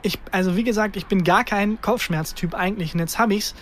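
High-voiced young man, chatting haltingly. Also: fairly bright tone, a little hiss or hum. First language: Turkish and German, bilingual. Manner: halting, often stumbles over words. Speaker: podcast co-host. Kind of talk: casual comedic chat.

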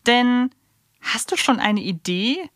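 A woman's voice: on the high side, big pitch swings, takes it slowly, fairly bright tone, no echo, studio quality. A woman co-hosting a fan podcast, asking questions and commenting in a conversational way. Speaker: podcast co-host.

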